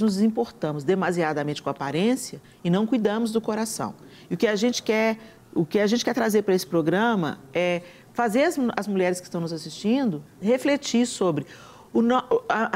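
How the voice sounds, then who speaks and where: A Brazilian woman on a talk show, speaking earnestly and quoting scripture as she tells stories. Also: mid-range voice. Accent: Brazilian Portuguese. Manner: earnest, quotes scripture, animated storytelling. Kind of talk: conversational preaching.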